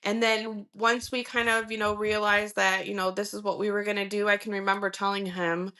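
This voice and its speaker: A woman's voice: mid-range voice, flat delivery, fairly quick, sharp tone. Reflective woman guest, chatty. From Michigan. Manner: reflective, many fillers like um and you know. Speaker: podcast guest. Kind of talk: casual interview conversation.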